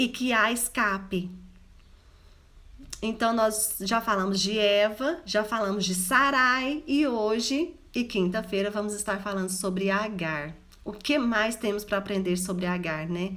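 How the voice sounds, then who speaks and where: The speaker has a Goiás accent and an animated tone, talking at a fairly slow pace with ordinary pitch variation. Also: woman, medium pitch for a woman. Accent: Goiás Brazilian Portuguese (goianês). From Brazil, Goiás. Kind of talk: live-streamed devotional talk.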